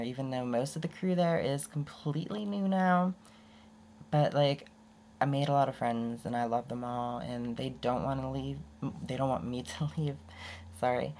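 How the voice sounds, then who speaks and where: Low, gravelly-voiced young woman vlogging. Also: darkish tone, a little hiss or hum. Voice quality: voice often goes hoarse. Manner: rambling and candid, with many restarts and laughs. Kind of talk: casual unedited vlog talk.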